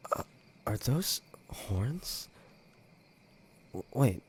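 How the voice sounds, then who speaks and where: A man acting in an audio drama as a bewildered, earnest character reliving his boyhood, speaking haltingly and full of questions. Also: medium pitch, very animated, husky, heavily acted.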